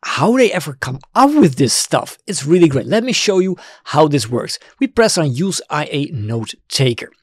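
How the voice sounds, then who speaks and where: A Dutch-speaking man in his thirties hosts a screen-recorded web design tutorial from a home studio lit with colored lights, speaking into a stand-mounted studio mic in front of him. He is enthusiastic, swinging quickly between excited highs and low asides, and his voice has a breathy edge on a dry recording.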